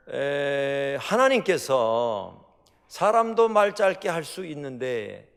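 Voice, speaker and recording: Middle-aged man, Korean pastor, Chungcheong accent, gravelly voice, sermon with rhetorical questions, reverberant church hall. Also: high voice. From South Korea. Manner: storytelling with many fillers and rhetorical questions. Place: church sanctuary.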